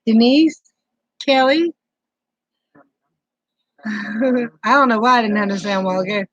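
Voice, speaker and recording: A woman's voice: fairly high pitch, unhurried, dry recording, muffled recording. A woman in her forties with a Southern US accent chats casually to viewers on a live stream, greeting them by name while soothing a grandbaby. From Southern United States. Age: 40s. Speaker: keto vlogger hosting a live stream.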